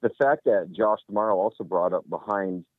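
A man calls in to a show and chats over the phone. His voice sits very low and he talks fast and eagerly. The line is tinny and dry, with no room sound around him. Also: dry recording. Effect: heard over the phone. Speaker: caller to a fan call-in show. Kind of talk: casual chat.

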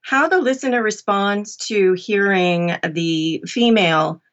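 A woman's voice: medium pitch, slow pace, dull audio. A woman speaking thoughtfully as a narrator being interviewed. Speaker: audiobook narrator, interview guest.

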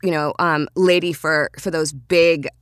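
A woman's voice: low voice, fairly even intonation, unhurried, a bit bright, smooth, dry recording. A woman voice-over artist from Trinidad, speaking earnestly in a casual podcast interview and restarting her sentences as she works through ideas.

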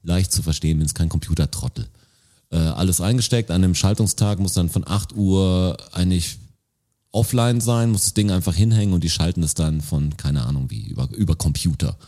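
A man's voice: sits low, brisk, mellow. A man casually telling friends an exasperated story about a phone call, quoting both sides of the conversation. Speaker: podcast co-host. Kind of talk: casual anecdote among friends.

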